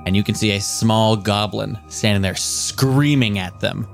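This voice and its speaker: A man narrating as game master of a tabletop game, relaxed and loose with fillers. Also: on the low side, measured pace, vocal fry, faint music behind.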